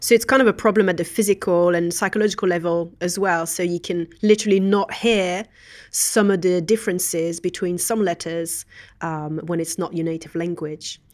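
A woman's voice: lowish voice, steady tone, moderate pace, a little mellow. Woman asking brief interview questions.

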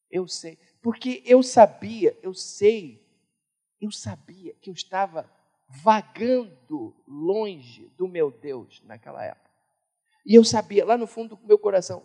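A man from Brazil preaching a sermon, emphatic, swinging between loud and hushed. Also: high voice. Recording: reverberant hall.

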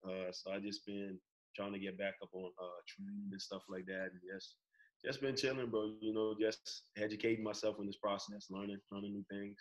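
A young man from the Bahamas with a Bahamian accent, a guest in a casual interview over a video call, relaxed and laid-back, often saying "bro" and "you know". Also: lowish voice, a little fast, low-quality recording. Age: young adult. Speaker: guest, college athlete.

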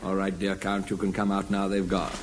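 Pompous suave swindler, old radio comedy, highish voice, loud hiss and noise. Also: male voice, expressive, normal speed. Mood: smooth, scheming. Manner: grandly polite, pompous. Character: suave, pompous male con man. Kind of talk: 1950s radio comedy acting. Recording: very noisy old radio recording.

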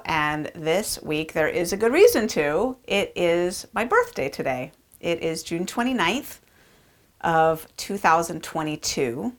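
A woman in her forties hosting a podcast, talking in an earnest, chatty way about personal reflections, with frequent fillers. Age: 40s. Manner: chatty and earnest, with many fillers and lively pitch jumps. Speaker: podcast host.

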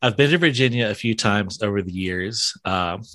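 Podcast host, man with a light Southern accent, bright tone, stumbling but eager. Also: on the low side. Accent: mild Southern US. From South Central Alabama, USA. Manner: halting, many restarts, friendly enthusiasm. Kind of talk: casual interview chat.

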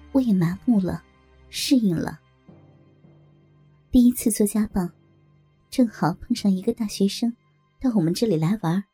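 A woman narrating a first-person audio story in a slow, soft-spoken way. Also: mid-range voice, breathy edge, no echo.

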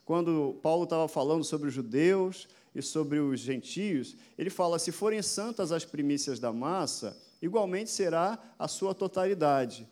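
A man's voice: a little high, darkish tone. A man preaching a sermon with a slightly raised voice. He speaks to his listeners through a camera, throwing rhetorical questions at them and driving his points home with rising emphasis. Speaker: pastor. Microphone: addressing a camera for an online audience.

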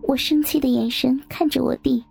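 A woman narrating a first-person story softly, with music behind. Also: high voice, fairly even intonation, moderate pace, creaky.

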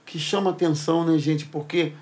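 A middle-aged man hosts a church talk program. His voice sits fairly high for a man, and he tells stories with lively energy, acting out each person's lines. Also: moderate pace. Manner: lively storyteller who acts out dialogue. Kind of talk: animated storytelling and Bible talk.

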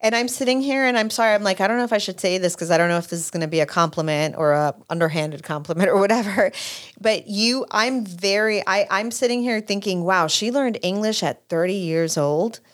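A woman's voice: medium pitch, a little fast. A woman who grew up in Puerto Rico, hosting an interview in a chatty, rambling, admiring manner. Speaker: podcast host. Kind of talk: casual conversational interview.

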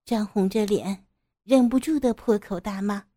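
A woman narrating an audio story in a steady, even storytelling manner. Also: medium pitch, moderate pace.

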